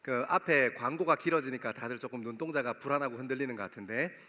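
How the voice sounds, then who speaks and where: In a church sanctuary with long hall reverb, a young male pastor with a regional Korean dialect preaches conversationally to a youth congregation. His medium-pitched voice is fast, pushed and bright.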